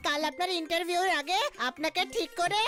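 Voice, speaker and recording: A performer voicing an excitable, bossy young cat in a dubbed children's cartoon, insistent and exclamatory. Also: very high voice, brisk, soft background music. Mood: bossy, eager.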